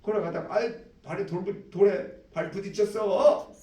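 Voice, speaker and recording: A man preaching a sermon as a pastor, lively, acting out the voices of people in his story. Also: high-pitched, moderate pace. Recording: echoey room, mic at a distance.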